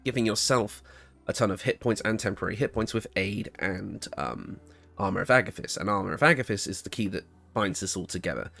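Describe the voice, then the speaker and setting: A low-voiced man talks through a video game guide in an informal, conversational way. His voice is slightly raspy and a touch hoarse, as if getting over an illness. Music plays clearly behind him. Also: fairly quick, fairly bright tone. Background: background music.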